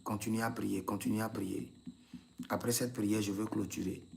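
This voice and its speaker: A man's voice: fairly low pitch, flat delivery, normal speed, gravelly, slight background noise. A man, a prophet leading a live prayer session, repeating intense commands and breaking into tongues.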